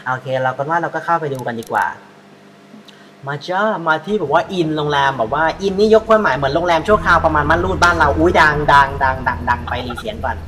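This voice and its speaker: A man's voice: a little high, fast, a little hiss or hum. A young man hosting a casual let's-play, chatting playfully and dubbing the game's lines as he plays. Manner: playful, excitable, dubs game lines in Thai. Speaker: gaming channel host.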